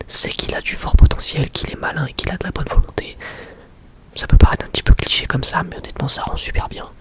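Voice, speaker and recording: Whispering young man, ASMR style. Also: fast. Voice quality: breathy, unvoiced whisper. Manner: informal, slangy, explanatory. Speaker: ASMR creator and anime reviewer.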